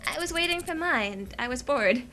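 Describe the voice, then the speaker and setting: A woman's voice: high-pitched, animated, moderate pace, pushed and bright, faint music behind. A woman co-hosting a game video, teasing and joking with her partner. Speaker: let's-play co-host. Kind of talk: casual game banter.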